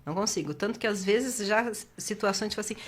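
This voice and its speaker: A middle-aged Brazilian woman with a Brazilian Portuguese accent, a guest chatting in an interview and telling stories with lively acted-out dialogue. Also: medium pitch, quick pace. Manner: expressive storyteller, acts out quoted dialogue. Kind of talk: casual interview chat.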